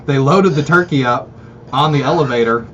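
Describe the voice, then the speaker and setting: A man's voice: medium pitch, lo-fi sound, slight background noise. A man, a guest on a talk radio show, who tells stories with a wry humor. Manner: fast, storytelling, wry. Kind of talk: casual talk radio chat.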